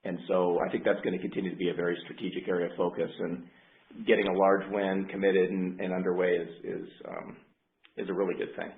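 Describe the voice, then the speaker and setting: A man speaking as a company executive, answering questions on an earnings call in a measured, careful way. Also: low-pitched, little pitch movement, vocal fry. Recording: roomy, dull conference line.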